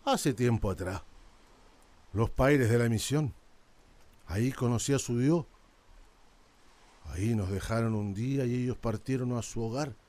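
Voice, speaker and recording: A man's voice: mid-range voice, measured pace, pauses often, a little mellow, lightly acted. An actor playing an embittered, mournful old indigenous man, speaking plainly and deferentially in a radio drama. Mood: humble, wistful. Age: older. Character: anguished, embittered old indigenous man, last of his people.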